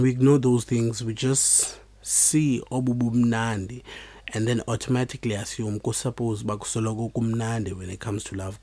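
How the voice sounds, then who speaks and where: A man with a Xhosa South African accent hosts an informal podcast, speaking in a halting, reflective way. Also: lowish voice, darkish tone, no room sound. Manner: halting, reflective delivery with repeated words. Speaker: podcast host. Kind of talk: informal solo podcast talk, mixing two languages.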